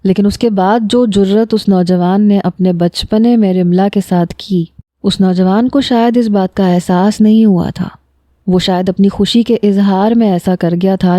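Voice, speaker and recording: Female story narrator, measured scripted reading, deep mellow tone, dry recording. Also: fairly even intonation, no room sound. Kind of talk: scripted narration of a romance novel.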